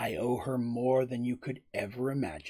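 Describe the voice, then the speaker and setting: Using a put-on character voice, a man talks at a moderate pace and medium pitch. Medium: read story. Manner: smooth, polite, self-assured.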